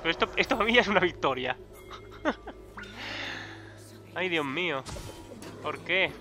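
Excitable high-voiced Spanish gamer. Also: male voice, slow pace, over music. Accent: Peninsular Spanish. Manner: excitable, swearing, frequent loud outbursts. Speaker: gaming YouTuber. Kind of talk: live gameplay commentary.

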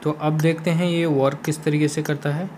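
A man's voice: fairly high pitch, little pitch movement, moderate pace, darkish tone. A man with an Indian accent explaining steps in a casual gaming screen tutorial, repeating his instructions as he goes. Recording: faint background noise.

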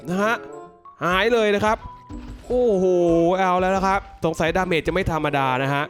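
A man speaks in a notably high voice over clearly audible music. He hosts a gaming video with excited commentary. His talk is full of exclamations as he reacts out loud to what happens in the game. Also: moderate pace. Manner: exclamatory, reacting aloud to the action.

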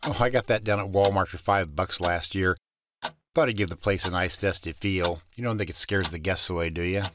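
Actor as a low-voiced easygoing hotel manager. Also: male voice, a little fast, close to an everyday voice. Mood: casual, helpful. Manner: casual, conversational. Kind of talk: audio drama acting. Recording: very noisy background with clicks.

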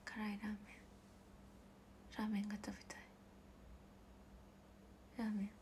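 A woman with a Kansai accent chatting casually with livestream viewers as the host, giggling often and slipping into soft whispered asides. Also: mid-range voice, completely flat delivery, moderate pace, a little hiss or hum. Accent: Kansai Japanese.

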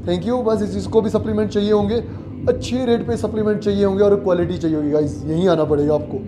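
A man's voice: sits high, fast talker. Chatty young man vlogging in a gym. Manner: chatty, pleading with viewers, loud when greeting members. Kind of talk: casual vlog chat to camera. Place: indoor gym. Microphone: handheld camera at arm's length. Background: music.

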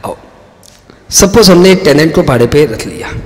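A man lectures on tax in a chatty, storytelling manner. He acts out short dialogues in his examples. His slightly high voice rings with the long reverb of a hall. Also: lively intonation, normal speed.

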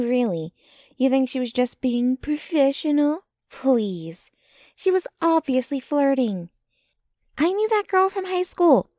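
A woman's voice: high-pitched, darkish tone, dry recording, clean studio sound. A woman playing a jealous, possessive, doting young girlfriend in an intimate, dramatic ASMR roleplay. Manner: intimate, dramatic, swinging between ranting and breathy murmuring.

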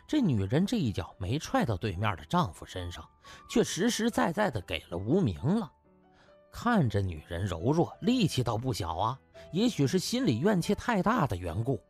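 Man, audiobook narrator, higher-pitched husky voice, theatrical comic storytelling, colloquial. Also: a little mellow.

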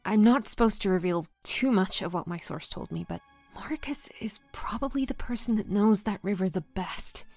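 An actress playing a caring, confiding female friend in an audio drama, soothing and often hushed. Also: mid-range voice, moderate pace, soft background music, close to an everyday voice.

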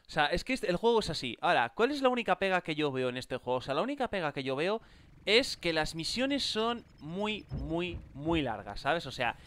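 A man with a Spain Spanish accent giving casual gameplay commentary, rambling with fillers and bursting into loud exclamations. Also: on the high side, very animated, moderate pace, slight background noise. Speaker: gaming channel host. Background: game music.

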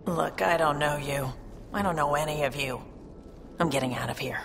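A woman's voice: deep voice, normal speed, gravelly, noisy background. A woman playing a tough, protective alien mercenary in a video game, speaking in a blunt, scolding, commanding way. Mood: guarded. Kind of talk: video game cutscene acting.

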